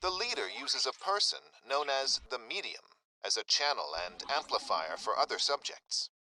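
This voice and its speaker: A man voicing clinical research notes in a video game, measured and matter-of-fact. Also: mid-range voice, big pitch swings, sharp tone, poor audio. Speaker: document narrator. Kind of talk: read-out document narration.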